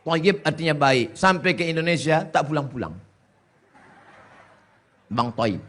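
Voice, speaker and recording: A man's voice: a little high, animated, measured pace, fairly bright tone. A man giving a humorous sermon as a preacher, telling jokey stories and putting on voices. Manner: jokey storytelling with mimicked voices and sung lines.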